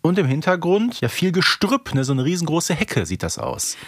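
A man's voice: a little high, very animated, moderate pace, no room sound. A man co-hosting a podcast, chatting casually and explaining things as he reviews. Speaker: podcast co-host.

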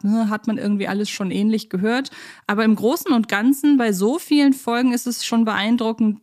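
A woman's voice: mid-range voice, darkish tone. A woman podcast co-host in casual fan discussion, chatty and rambling, correcting herself as she thinks aloud. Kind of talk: casual fan discussion of audio drama series.

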